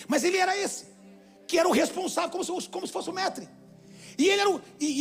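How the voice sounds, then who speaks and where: A man preaches from a church stage and tells a story. His voice sits very high for a man and has a gravelly edge. He acts out the people in the story as he goes. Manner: animated storyteller, acts out shouted quotes. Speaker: pastor. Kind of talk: sermon storytelling.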